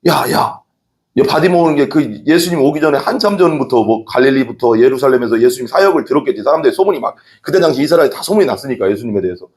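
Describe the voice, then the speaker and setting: A man's voice: medium pitch, expressive, racing, hardly any pauses, a little mellow. A male pastor preaching an evening church sermon, telling the story with energy and often asking the congregation questions.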